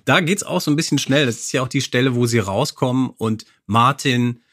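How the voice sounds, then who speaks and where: A man's voice: mid-range voice, a little fast, fairly bright tone, no echo, clean studio sound. A man hosting a podcast in casual chat, with an amused, self-deprecating manner. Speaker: podcast host.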